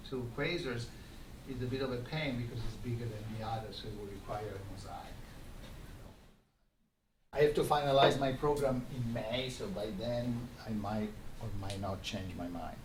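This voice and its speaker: Male scientist lecturing at a colloquium, halting explanatory delivery, mid-pitched voice, picked up from afar in a noisy room. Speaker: astrophysicist giving a colloquium talk. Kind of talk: academic lecture. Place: lecture room, recorded from a distance. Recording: echoey, distant microphone, clearly noisy room.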